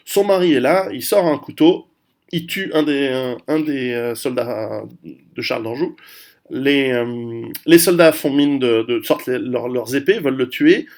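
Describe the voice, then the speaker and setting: A man's voice: mid-range voice, measured pace. A man of Italian heritage hosting his own video channel, talking casually through a history lesson with many restarts and fillers. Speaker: video host. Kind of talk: casual history talk to camera.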